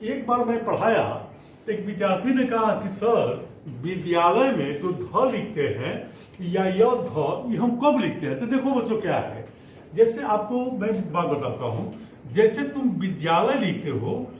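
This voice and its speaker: A man teaching a class, explaining a Sanskrit text word by word, repeating terms slowly and checking understanding often. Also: high voice, very animated, far from the mic. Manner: slow, repeats words, frequent 'है ना' checks. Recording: echoey room, voice from away from mic, faint hiss.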